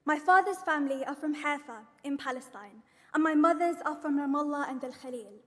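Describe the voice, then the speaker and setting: A young woman speaks in a high voice with a London accent. She delivers a prepared, earnest speech to the formal standard of a public event, and long hall reverb trails her words. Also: fairly quick, fairly bright tone. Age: young adult. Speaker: guest speaker, activist. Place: large indoor event venue.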